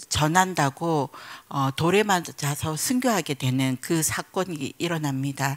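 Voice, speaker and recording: In a dry, close recording with no echo, a woman with a fairly low pitch speaks at a very slow pace. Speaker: preacher. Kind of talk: sermon. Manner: halting, many fillers.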